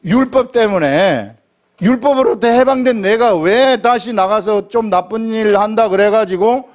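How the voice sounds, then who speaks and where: A man preaching a sermon from a church pulpit, his voice sitting fairly high for a man. He keeps putting questions to the congregation and slips into pleading prayer voices to act out his points. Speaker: pastor.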